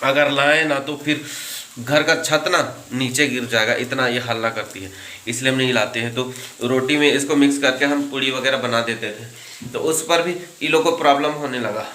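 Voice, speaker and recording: ज़ोर से बोलता, गूंजते कमरे में आदमी. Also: male voice, medium pitch, moderate pace, pushed and bright, a little hiss or hum. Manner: chatty, ranting, laughs often. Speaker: vlogger. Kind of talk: casual opinion vlog. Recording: echoey room.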